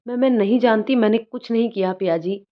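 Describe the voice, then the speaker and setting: A woman's voice: a little high, fairly quick, lightly acted. A woman voicing a frightened young wife who stammers and pleads, read as a storybook role. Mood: scared. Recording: dull lo-fi recording.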